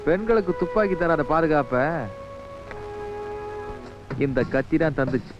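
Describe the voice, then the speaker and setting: A man's voice: on the high side, lively intonation, a little slow. An actor playing a young man who reassures a woman and an orphan boy, in 1980s film dialogue. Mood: calm. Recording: dull film soundtrack with music.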